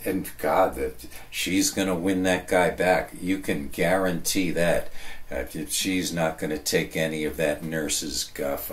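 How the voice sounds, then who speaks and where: A man hosting a podcast alone, chatting casually in a halting, digressive ramble. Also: sits low. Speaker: podcast host. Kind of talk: rambling solo casual chat.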